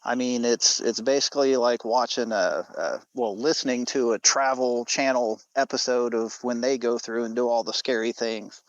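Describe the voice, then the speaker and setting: A man's voice: medium pitch, fairly even intonation, normal speed, hardly any pauses, no room sound. Casual male guest on a slightly dull mic. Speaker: podcast guest, writer. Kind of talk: casual chat.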